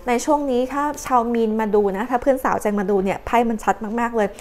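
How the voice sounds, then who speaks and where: A woman's voice: on the high side, fast, a little hiss or hum. A young adult woman giving a chatty tarot reading. She talks casually and uses polite particles. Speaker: tarot card reader.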